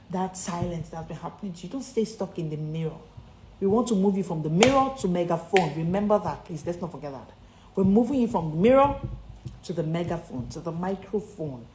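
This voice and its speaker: Echoey low-voiced Nigerian woman coach, emphatic. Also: dark tone. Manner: emphatic and preacherly, repeating key phrases. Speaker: confidence and public speaking coach. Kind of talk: motivational coaching talk to online followers. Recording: echoey room with faint background noise.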